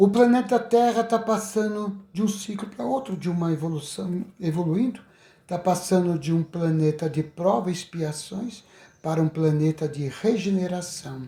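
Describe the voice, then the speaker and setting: A man speaks in a high pitch with a dark, mellow tone. His pitch variation is ordinary. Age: 60s. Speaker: spiritist school founder. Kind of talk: interview.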